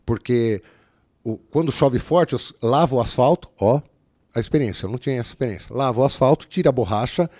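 A man's voice: mid-range voice, a little fast. A man from São telling a story in casual, slangy talk, acting out the voices. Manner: animated, slangy, acts out voices. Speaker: guest.

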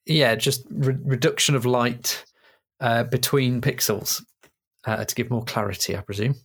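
Gravelly, husky-voiced man. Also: mid-range voice, fairly even intonation, unhurried. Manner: dry, wry jokes. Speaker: podcast co-host. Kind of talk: casual chat, quiz questions.

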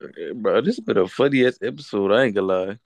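Low-voiced South Carolina podcast man. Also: fast talker, a little hiss or hum. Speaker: podcast co-host. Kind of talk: casual chat.

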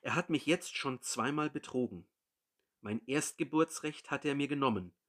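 A man's voice: medium pitch, moderate pace, fairly bright tone, pitched above the performer's own voice, close to an everyday voice. A man voicing a bitter grown son, a hunter, who pleads earnestly with his father. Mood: pleading.

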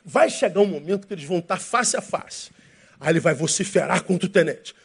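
A man's voice: high-pitched, expressive, a little fast, gravelly, slightly rough. A man preaching a sermon, telling an anecdote and acting out both sides of the dialogue in his own voice. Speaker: pastor.

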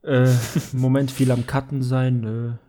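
A young man co-hosts a laid-back podcast. He drifts from point to point and fills the gaps with filler words. His voice sits at an ordinary middle pitch. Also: moderate pace. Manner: relaxed, rambling with many fillers. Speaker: podcast co-host. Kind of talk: casual podcast chat.

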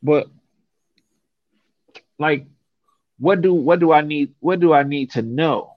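A man's voice: fairly high pitch, slow pace, no room sound, phone-quality sound. A young man from San Francisco, talking casually and emphatically, often ending points with a rhetorical "right?". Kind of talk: casual conversation.

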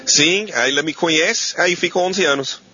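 Halting New chef speaking Portuguese. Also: male voice, fairly high pitch, sharp tone, husky, dull audio. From New Zealand. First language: English. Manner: halting, searching for words in Portuguese. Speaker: chef guest. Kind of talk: casual interview.

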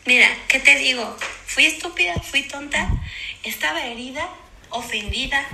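A Mexican woman in her twenties, telling a story in casual chat, animated and dramatic, acting out what people said. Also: high-pitched, normal speed, vocal fry, a little hiss or hum. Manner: animated, dramatic retelling with acted-out quotes. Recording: echoey room.

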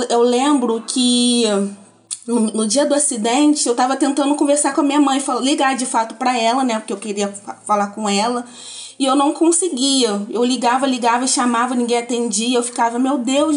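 A woman gives a halting, emotional personal testimony, often breaking off and restarting. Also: fairly high pitch. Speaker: interviewee.

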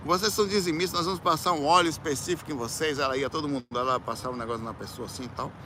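A man with a Brazilian Portuguese accent, a musician casually telling a personal story, animated and colloquial, acting out quoted voices with loud outbursts. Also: fairly high pitch, very fast, noisy background.

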